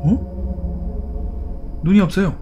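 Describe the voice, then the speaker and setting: High-voiced man, playful game commentary. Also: takes it slowly, dark tone, lo-fi sound, faint music behind. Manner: playful, teasing chatter at game characters. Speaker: gaming YouTuber. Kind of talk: horror game let's play commentary.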